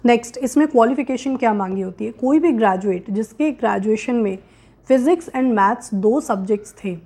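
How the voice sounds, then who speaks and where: A young adult woman hosts career guidance videos, seated in a small curtained room and explaining things straight to the camera in Hindi mixed with English terms. Her voice is on the high side with a dark tone, at a moderate pace.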